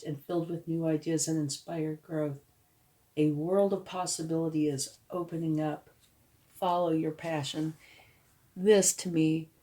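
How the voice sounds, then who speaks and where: A woman with a low, husky-hoarse voice from a cold talks slowly through a tarot reading. She is unhurried and reassuring, and she keeps asking the viewer "okay?" as she explains each card. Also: mellow. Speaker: tarot reader.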